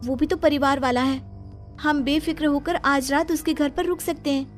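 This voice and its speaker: A woman voicing a timid, jumpy young woman office worker who frets anxiously in a very high voice. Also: steady tone, normal speed, faint music behind, close to an everyday voice. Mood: worried. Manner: anxious, fretful.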